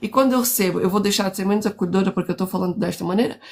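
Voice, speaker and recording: Animated in tone, a woman speaks at a medium pitch. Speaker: therapist and mentor. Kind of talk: casual chat. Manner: loud.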